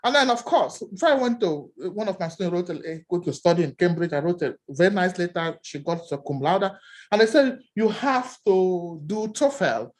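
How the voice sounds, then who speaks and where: A man with a Nigerian accent, giving animated seminar remarks as an academic discussant and telling stories with many repeated words. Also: high-pitched, moderate pace.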